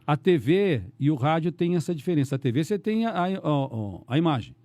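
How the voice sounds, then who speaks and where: A middle-aged Brazilian man, a radio announcer, chatting on a podcast in a rambling, animated way with many restarts. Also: a little high, a little fast, dry recording. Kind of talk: casual podcast conversation.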